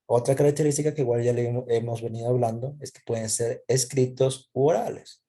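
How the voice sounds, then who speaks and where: A male teacher with a mellow, creaky voice at a middling pitch talks through a lesson. He is didactic, asks questions that he then answers, and often checks in with short tags. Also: steady tone, fairly quick. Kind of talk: explanatory lesson, asking and answering own questions.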